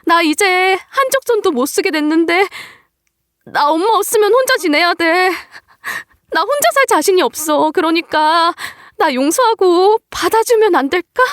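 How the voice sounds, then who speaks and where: A woman's voice: extremely high pitch, animated, moderate pace, a bit bright, no room sound, clean studio sound, voice pushed up. A woman voicing a desperate young adult daughter who pleads tearfully with her mother. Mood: pleading.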